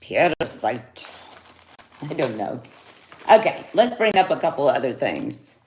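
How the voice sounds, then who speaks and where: A woman's voice: very deep voice, big pitch swings, unhurried, a little mellow, slight background noise. A woman chatting casually on a jewelry livestream, greeting viewers by name. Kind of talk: casual live sales chat. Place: home studio, indoors.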